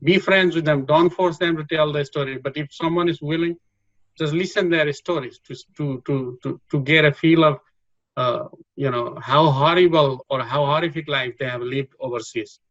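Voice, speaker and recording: A man's voice: on the high side, normal speed, a bit bright, dry recording, highs cut off. A man with a Bhutanese accent, speaking earnestly in an interview and restarting his words often. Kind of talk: giving advice in an interview.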